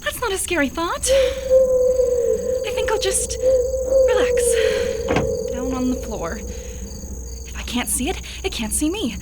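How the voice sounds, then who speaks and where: A woman acting a high-voiced, anxious, sarcastic young woman. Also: lively intonation, takes it slowly, long pauses, exaggerated voice. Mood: nervous. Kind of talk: horror radio play acting. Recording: noisy, insect sounds behind.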